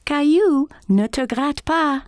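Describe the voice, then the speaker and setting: A woman voicing a caring, patient and gently firm mother in a children's cartoon, reassuring and simply spoken. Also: sits high, slow pace, no room sound, clean studio sound. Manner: reassuring, simple instructive phrasing.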